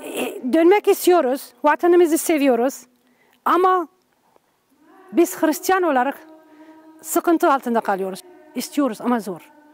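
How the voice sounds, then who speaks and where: A woman at a fairly slow pace, with a dry, close sound and no echo. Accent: non-native. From southeastern Turkey, Midyat area village. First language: Aramaic (Syriac) (speaking Turkish). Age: 50s. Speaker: nun. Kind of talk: personal storytelling interview. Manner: halting, many self-corrections.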